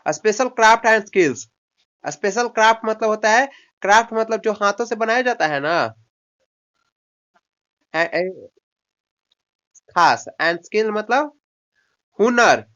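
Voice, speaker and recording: A man's voice: high voice, lively intonation, slow, long pauses, pushed and bright. A man tutoring a student in English vocabulary, explaining in Hindi, coaxing and scolding by turns and drilling words by repetition. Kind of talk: English lesson taught in Hindi. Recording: dull lo-fi recording.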